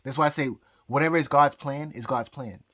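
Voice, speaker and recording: A man in a rambling, drunk-sounding personal rant, halting and repeating his phrases, speaking emphatically and defiantly. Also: mid-range voice, fairly bright tone. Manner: emphatic, defiant talk of fate and God. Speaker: astrologer.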